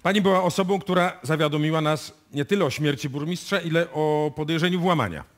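An actor playing a methodical, probing police inspector in a live radio play. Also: male voice, fairly high pitch, lightly acted. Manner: deliberate, probing.

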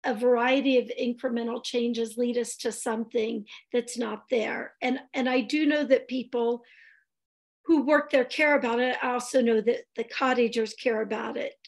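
A woman's voice: on the high side, steady tone, moderate pace, creaky. A woman in her sixties who is losing her voice, talking earnestly through a public meeting on a video call from home, with many fillers and restarts. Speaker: board chair. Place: home room, indoors.

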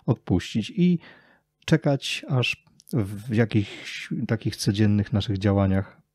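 A man's voice: lowish voice, animated, slow pace, darkish tone, slightly rough, dry recording, studio quality. A man hosting a conversational interview, phrasing his thoughts in a reflective, tentative way. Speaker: podcast host, interviewer.

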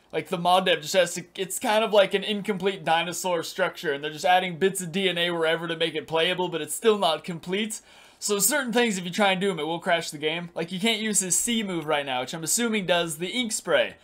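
A young man in his twenties doing energetic, crude gameplay commentary in a small room, his voice raspy because he just woke up. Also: high-pitched. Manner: energetic, crude, rambling with lots of "like". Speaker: gaming YouTuber. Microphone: headset.

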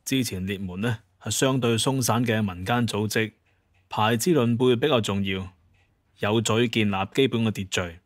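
An actor playing a confident, courteous but authoritative chief of monster hunters in an audio drama, talking in a measured, explanatory way. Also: male voice, on the low side, dry recording, studio quality, natural voice. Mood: persuasive, explaining. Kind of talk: Cantonese audio drama dialogue.

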